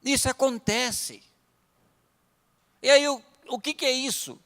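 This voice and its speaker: A Brazilian man preaching a sermon with a Brazilian Portuguese accent, telling stories and swinging from loud emphatic peaks to quiet asides. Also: extremely high pitch, a little slow. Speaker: pastor. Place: large church sanctuary. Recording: reverberant church hall.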